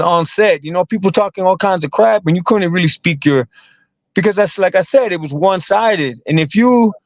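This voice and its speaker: A man's voice: high-pitched, no room sound. Guest comic, male, casual and rambling, stacks up repeated words, close dry sound. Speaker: comedian and actor guest. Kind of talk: casual interview talk.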